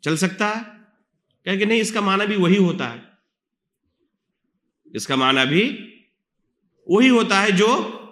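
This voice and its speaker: Male religious lecturer with an Indian Urdu accent, bright forceful tone, fairly high voice, teacherly question-and-answer delivery, mosque echo. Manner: teacherly, asks the audience questions and answers them. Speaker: Islamic scholar. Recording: echoey mosque hall.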